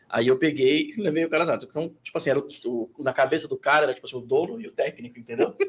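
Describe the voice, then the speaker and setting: Delivered at a very fast pace with hardly any pauses, the speech has ordinary pitch variation and big swings in loudness. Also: man, fairly high pitch for a man. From Osasco / Carapicuíba, São Paulo state, Brazil. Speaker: tech company co-founder. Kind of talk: casual chat.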